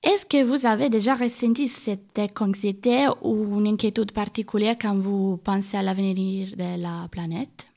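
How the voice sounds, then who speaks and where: A woman from Sardinia, Italian by first language, presenting a radio programme in French in a steady, scripted way. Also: mid-range voice, moderate pace, creaky, few pauses. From Sardinia, Italy. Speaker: radio host.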